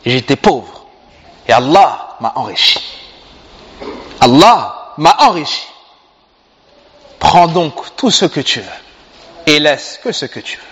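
A man's voice: fairly high pitch, sing-song, slow pace, long pauses, fairly bright tone, slightly rough, pitched below the performer's own voice, full character voice. A man voicing a generous, formerly blind man who speaks firmly and with heartfelt thanks. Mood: grateful. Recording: reverberant hall, dull sound.

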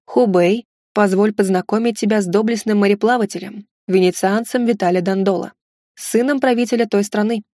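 A woman reading the part of a polite older Chinese courtier in an audiobook, in a courteous, measured tone. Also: medium pitch, steady tone, dark tone, no echo, clean studio sound, close to an everyday voice.

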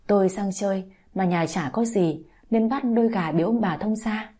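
A woman's voice: medium pitch, moderate pace, mellow, breathy edge, lightly acted. A woman reading the lines of a polite older aunt paying a visit, in a story.

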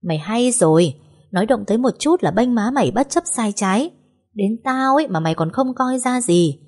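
A woman voicing a harsh older mother-in-law, sharp and contemptuous. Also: mid-range voice, expressive, moderate pace, lightly acted. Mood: scornful.

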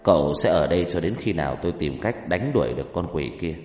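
A man voicing a calm, secretive older male exorcist in a low, hushed, measured voice. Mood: grave. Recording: roomy reverb with faint music.

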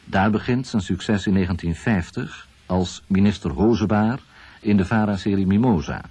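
A man reads scripted documentary narration as a radio presenter, in a measured, formal announcing manner. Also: low-pitched, warm tone, breathy edge, no room sound. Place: 1970s radio production.

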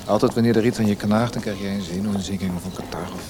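An actor playing an earnest, formal young Viennese writer in a Dutch radio drama, speaking in a measured, hesitant way. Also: male voice, lowish voice, steady tone, background noise, natural voice. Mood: concerned, dry.

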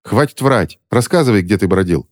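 A suspicious young boy who fires blunt, impatient questions at his friend, as a male narrator puts him on. The delivery stays close to the narrator's own low voice but moves with lively pitch. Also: a little fast, no echo.

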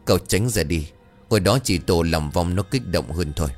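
A man's voice: deep voice, normal speed, soft background music. A man voicing a stern middle-aged exorcist who gives curt commands. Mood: commanding.

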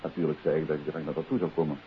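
An actor playing a shrewd, courteous detective in a 1950s Dutch radio play, measured and probing. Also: male voice, rumbling low, little pitch movement. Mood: composed. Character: shrewd male amateur detective, composed and probing. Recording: muffled, hissy old radio recording.

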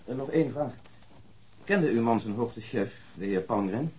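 An actor playing a calm, courteous, probing police detective in a naturalistic radio drama. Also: male voice, mid-range voice, a little hiss or hum, lightly acted, poor audio. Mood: polite, probing. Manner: measured, polite, matter-of-fact.

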